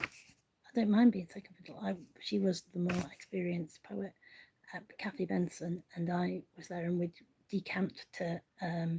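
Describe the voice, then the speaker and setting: A woman with a fairly low, somewhat breathy voice and a dark, mellow tone speaks at a fairly slow pace with fairly even intonation. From England, Derbyshire. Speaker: poet. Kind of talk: casual chat. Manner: halting; hesitant.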